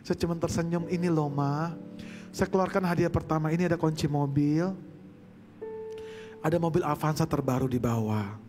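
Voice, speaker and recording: A man gives a fervent testimony sermon, calling out to his listeners as brothers and sisters. His voice sits high, and clear instrumental music plays underneath. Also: brisk. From Medan, Indonesia. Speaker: Christian songwriter and preacher.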